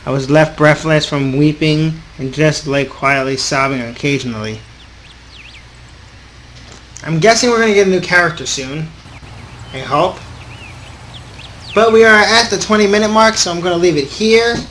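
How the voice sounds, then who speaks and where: A man with a slightly high voice plays host on a gaming video, reading visual novel text aloud. His delivery is informal and a bit halting, breaking off for casual remarks of his own. There is noise behind the voice. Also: a bit bright. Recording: clearly audible background noise.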